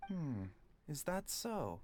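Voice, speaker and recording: An actor playing a gentle, composed male doctor in a video game, speaking politely and formally. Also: fairly high pitch, big pitch swings, takes it slowly, no echo, heavily acted. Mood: courteous, composed.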